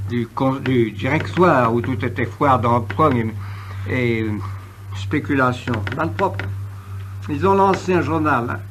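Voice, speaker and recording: A man giving a history lecture in an oratorical, emphatic way, with pointed pauses and ironic asides. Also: a little high. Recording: noisy old lecture recording with clicks.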